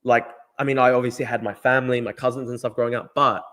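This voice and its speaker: A man's voice: medium pitch, steady tone, quick pace, fairly bright tone. A man hosting a political podcast, making his points emphatically and repeating himself, often asking "right?" and dropping in "like". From Australia. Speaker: podcast host. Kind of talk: opinionated political podcast talk.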